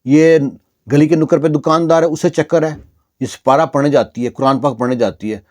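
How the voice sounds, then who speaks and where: A man's voice: a little high, steady tone, close to an everyday voice. A man doing a scheming sister-in-law. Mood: spiteful. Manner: spiteful, insinuating.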